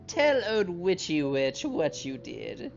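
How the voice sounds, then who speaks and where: A man's voice: fairly high pitch, huge pitch swings, slow pace, gravelly, full character voice. A man putting on a teasing young heroine. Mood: mock menacing. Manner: teasing, theatrical, swooping. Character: playful young heroine turned mock witch. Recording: muffled, game music behind.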